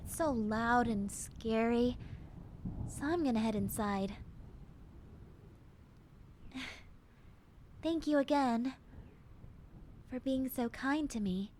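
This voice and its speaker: A woman acts out a friendly young zombie girl in an audio roleplay. Her voice is high and very slow, soft and hesitant, full of wistful, childlike sincerity. There is faint noise behind her. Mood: timid, fond. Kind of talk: roleplay audio drama monologue.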